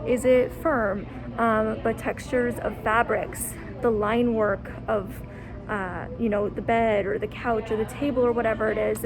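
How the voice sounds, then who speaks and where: A woman in her twenties, from Canada, chatting casually in a vlog, full of "like" and "um" fillers. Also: fairly high pitch. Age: 20s. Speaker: vlogger. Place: at home, then a furniture store.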